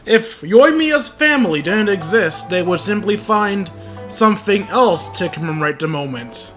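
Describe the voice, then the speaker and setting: A man's voice: high voice, animated, normal speed, a bit bright, faint music behind. A man giving casual playthrough commentary as a gaming YouTuber, with informal, self-deprecating asides.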